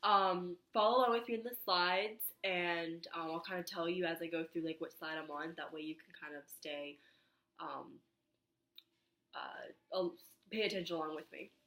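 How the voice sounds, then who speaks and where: Young woman, congested nose, slightly raspy, lowish voice, student slide presentation, reads notes with ums. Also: fairly even intonation, moderate pace, fairly bright tone. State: nasal congestion, under the weather. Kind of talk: recorded class slide presentation.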